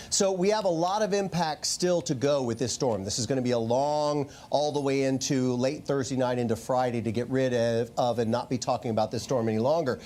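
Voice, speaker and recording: An American man with a mid-pitched voice gives a live weather briefing. He speaks as a TV forecaster from an indoor studio. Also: a little mellow.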